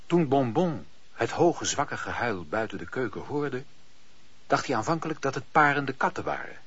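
A man playing the storyteller of a radio drama, giving measured literary narration. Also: mid-range voice, animated, fairly bright tone, husky. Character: male storyteller narrating a period novel. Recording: dull old radio recording.

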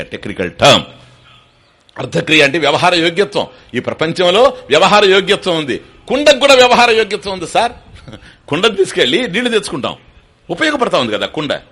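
A man's voice: a little high, pushed and bright, slightly rough. An older man giving a spiritual discourse, explaining step by step, often asking his listeners questions and slipping in English terms. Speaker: spiritual teacher. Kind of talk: Vedanta discourse to an audience.

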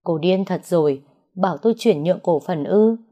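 A woman's voice: fairly low pitch, normal speed, warm tone, highs cut off, close to an everyday voice. Woman reading a protective young man. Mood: urgent.

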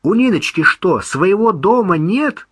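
A man's voice: high voice, big pitch swings, measured pace, fairly bright tone, breathy edge, no echo, studio quality, voice pushed up, exaggerated voice. A man voicing a young man talking to his mother on the phone, affectionate and a little ironic. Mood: ironic, soothing.

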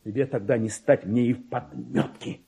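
A man's voice: medium pitch, fairly even intonation, moderate pace, gravelly, dark tone, breathy edge. An actor playing a vain, resentful middle-aged clerk in a radio play, pompous and exclamatory, as if muttering his diary to himself. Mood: boastful. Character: petty forty-two-year-old male clerk, vain, resentful, self-important. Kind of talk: theatrical radio play monologue, diary read aloud.

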